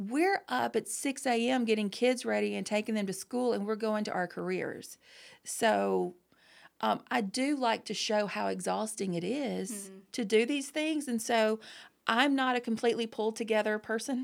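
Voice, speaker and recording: In a very clean recording with a silent background, a woman uses an ordinary speaking voice, fairly high in pitch, at a moderate pace with ordinary pitch variation. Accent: American. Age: 40s. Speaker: comedian. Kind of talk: casual chat. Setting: studio.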